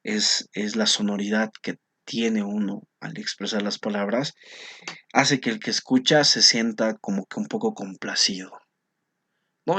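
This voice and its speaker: A man's voice: on the low side, fairly bright tone, breathy edge. A male teacher explaining poetry to his class, often checking in with short tag questions. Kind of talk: recorded class lesson on poetry.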